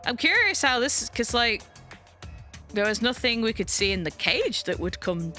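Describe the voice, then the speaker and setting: A woman's voice: on the high side, very animated, moderate pace, pushed and bright. A woman reading game text aloud and bantering casually in a teasing way. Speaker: reader and co-host of a game playthrough. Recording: music behind the voice.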